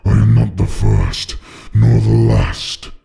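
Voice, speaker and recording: A man voicing an ancient, menacing dragon, speaking slowly and gravely through a pitched-down, bass-heavy reverb filter. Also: big pitch swings, mellow, full character voice. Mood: solemn menace. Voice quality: deep, rumbling. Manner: slow, grave, portentous. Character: ancient, menacing, solemn giant male dragon. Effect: pitched-down, bass-boosted reverb monster filter.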